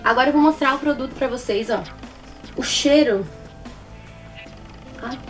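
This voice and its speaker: At a normal pace, a high-voiced Brazilian woman in her twenties chats to camera as a beauty vlogger, reviewing products with casual, expressive delivery and repeated words for emphasis. Soft music plays under her in a small, plain room indoors.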